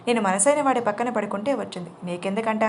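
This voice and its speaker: A woman's voice: mid-range voice, fast talker, a little hiss or hum, lightly acted. A woman voicing a proud, defiant young pregnant woman who answers tartly in a storybook reading. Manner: tart, defiant.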